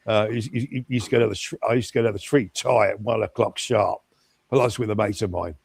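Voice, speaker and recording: Older man, upbeat guest, halting speech, dry mic. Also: fairly low pitch, steady tone, gravelly, husky, no echo. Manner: hesitant, stammering, upbeat. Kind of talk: casual chat.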